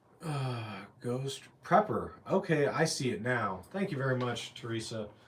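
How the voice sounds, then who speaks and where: A man with a medium-pitched voice speaks at a fairly slow pace, his pitch swinging very widely over noticeable background noise. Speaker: prepping YouTuber. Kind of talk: livestream chat with viewers. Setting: live stream. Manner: casual, hesitant.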